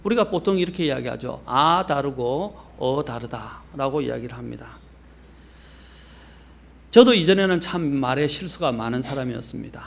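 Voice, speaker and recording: A middle-aged male pastor from Korea's Gyeongsang region with a faint Gyeongsang accent, giving a measured, earnest sermon that rises to stress points and drops low at phrase ends. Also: creaky, a little hiss or hum.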